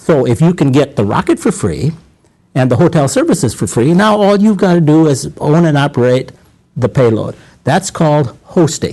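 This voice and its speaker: Speaking in an American accent at a moderate pace, a man has a fairly high pitch, a dark, mellow tone, somewhat breathy delivery, lively intonation and very even loudness. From United States. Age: 60s. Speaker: retired navy admiral, satellite industry advisor. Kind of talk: radio panel discussion.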